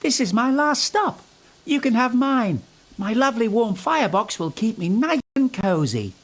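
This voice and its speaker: Little storybook engine, acted by a man: male, wide-eyed, gentle-natured and timid, pitched well up. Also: big pitch swings, normal speed, exaggerated voice. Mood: kindly, reassuring.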